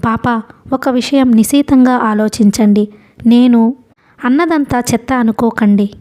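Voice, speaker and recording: A woman reads as a young daughter in a storybook reading, earnest and defiant, pleading with her father. The voice sits fairly high and mellow. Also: lightly acted.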